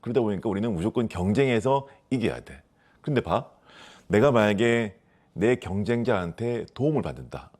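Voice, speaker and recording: Low male voice, regional Korean dialect, lively intonation; author explaining life lessons conversationally with emphatic rhetorical questions. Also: normal speed. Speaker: author giving life advice.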